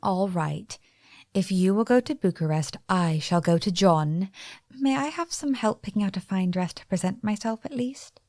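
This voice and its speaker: An actress playing a frail young woman who sleepwalks, speaking softly in formal period English in a radio play. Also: medium pitch, normal speed, no echo, studio quality, natural voice. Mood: gentle. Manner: soft, earnest, period-formal speech.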